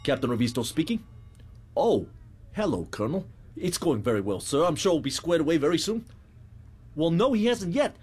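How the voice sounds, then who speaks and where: A smooth-talking army captain, played by a man in a stage play. His polite, coaxing voice moves lively up and down. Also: a little high, normal speed, pitched above the performer's own voice. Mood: deferential. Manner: polite, coaxing, deferential to superiors.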